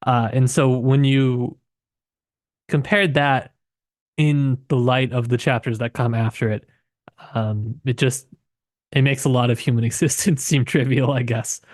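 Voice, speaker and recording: A man's voice: medium pitch, fairly even intonation, measured pace, dry recording, studio quality. A man co-hosting a casual literary discussion, speaking in a reflective, tentative way and often qualifying his own points. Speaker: podcast co-host discussing literature.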